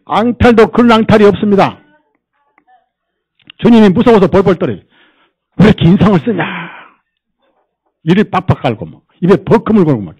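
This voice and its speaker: A man's voice: sits high, fast, pauses often, breathy edge, highs cut off. Male pastor giving a sermon at church, voice swoops up and down a lot, keeps asking the crowd questions. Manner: animated, quizzes the congregation with rhetorical questions; mimics people and jokes to make points. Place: church service.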